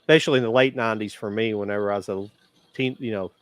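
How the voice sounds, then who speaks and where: Guy in his 40s on a movie podcast, lowish voice, dry close sound, keeps rambling and restarting. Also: fairly even intonation, quick pace, smooth, no echo. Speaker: podcast co-host. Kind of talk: casual movie chat.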